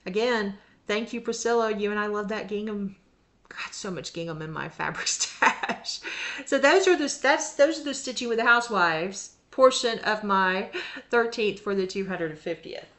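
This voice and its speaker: A woman's voice: medium pitch, normal speed, a bit bright. A woman in a casual, rambling show-and-tell vlog about her cross-stitch projects, laughing often as she talks.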